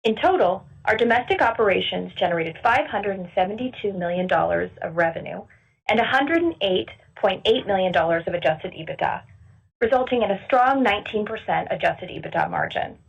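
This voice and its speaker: A woman's voice: medium pitch, expressive, brisk, creaky, husky. A woman reading a scripted earnings report as a finance executive, formal and businesslike, in distant, slightly dull conference-call audio.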